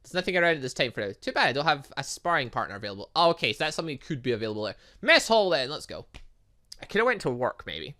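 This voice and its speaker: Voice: mid-range voice, sing-song, racing, sharp tone. A gaming host doing let's play commentary, reading a visual novel's dialogue aloud and tossing in jokey asides.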